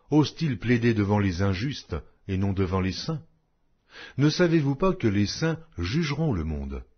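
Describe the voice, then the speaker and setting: A man's voice: lowish voice, slightly rough. A man narrating a Bible audiobook in a solemn, declamatory way, reading scripted text with emphatic phrasing. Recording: dull, lo-fi audio.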